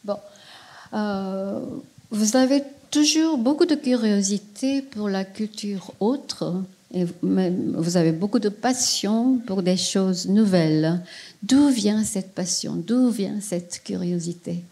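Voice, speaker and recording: A woman's voice: mid-range voice, slow, dark tone. A woman interviewing a writer, asking her questions hesitantly and searching for words.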